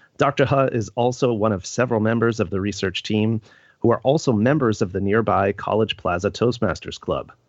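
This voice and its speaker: A plain, everyday voice from a man, medium in pitch with ordinary variation, at a fairly quick pace over a quiet background. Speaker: podcast host. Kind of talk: casual interview.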